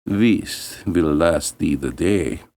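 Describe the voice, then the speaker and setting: Man voicing a slow, menacing wicked stepmother. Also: a bass voice, darkish tone, pitched below the performer's own voice, heavily acted. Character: cruel, scheming stepmother, bitter and commanding.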